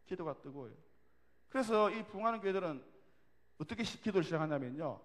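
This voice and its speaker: A man in his thirties preaching a sermon in a church. He leads the congregation in loud shouted cries. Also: high-pitched, animated, fast talker. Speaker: pastor. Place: church sanctuary. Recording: hall reverb in a large church.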